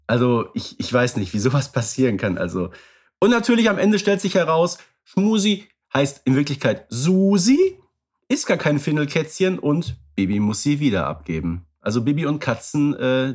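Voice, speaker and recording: A man co-hosting a podcast, chatting casually and wryly about radio plays, with lively storytelling and some fillers. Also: mid-range voice. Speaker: podcast co-host.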